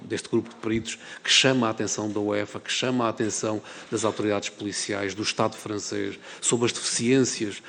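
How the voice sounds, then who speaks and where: A middle-aged man from the Algarve with a European Portuguese accent, giving a formal address at a parliamentary hearing, measured and full of hesitations. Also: fairly low pitch, little pitch movement, gravelly, a bit bright, big-room sound, a little hiss or hum. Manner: measured, with many filler "eh"s and restarts. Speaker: member of parliament chairing a hearing. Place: parliament committee room.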